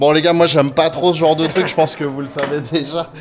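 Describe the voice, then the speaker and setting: At a moderate pace and with fairly even intonation, a man with a fairly high pitch talks over noticeable background noise. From France, Tours. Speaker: travel vlogger. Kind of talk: travel vlog talk to camera. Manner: casual, hesitant with many fillers.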